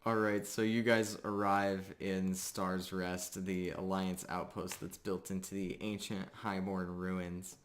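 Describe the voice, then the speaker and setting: A man narrating a tabletop roleplaying game as game master, improvising in halting phrases with pauses. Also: sits low, flat delivery. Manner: halting, pausing between phrases.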